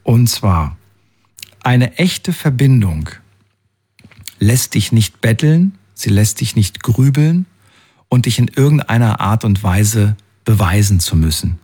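Man, radio call-in host, husky voice, empathetic and coaxing, questions rising high. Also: sing-song, takes it slowly, darkish tone. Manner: empathetic, coaxing, pitch swings upward on questions. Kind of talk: call-in radio advice talk.

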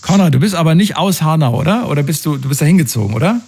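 A man hosting a call-in radio show, giving callers empathetic advice and coaxing them with questions that swing up in pitch. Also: expressive, racing, a little mellow, slightly rough.

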